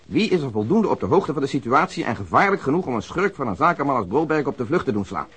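Brisk police detective, raspy edge, lively intonation, shrewd, assertive, radio play. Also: male voice, medium pitch, heavily acted. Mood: brisk, insistent. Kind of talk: Dutch radio crime drama acting.

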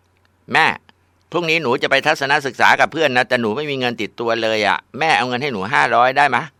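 A man voicing a spoiled, rude teenage girl who whines and yells insults. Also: medium pitch, fairly quick, no room sound, clean studio sound, pitched above the performer's own voice. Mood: whiny demanding. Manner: whiny, shouting insults.

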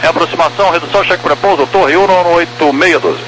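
A man's voice: fairly high pitch, fast talker, a bit bright. A man with a Brazilian accent speaking clipped air traffic phraseology over a walkie-talkie style aviation radio. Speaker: aviation radio operator, controllers and pilots. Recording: noisy, humming VHF radio transmission.

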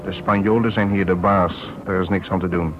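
Low-voiced indignant man, acted on noisy recording. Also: fairly even intonation, moderate pace, lightly acted. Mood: sarcastic, challenging. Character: indignant, defiant Dutchman challenging his companion. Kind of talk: Dutch radio play acting. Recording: dull, noisy old radio recording.

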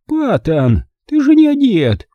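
A man's voice: sits high, very animated, measured pace, dry recording, dull audio, voice pushed up, heavily acted. A man putting on a snapping old grandmother. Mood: stern. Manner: snapping and reproachful. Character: stern, disapproving old grandmother.

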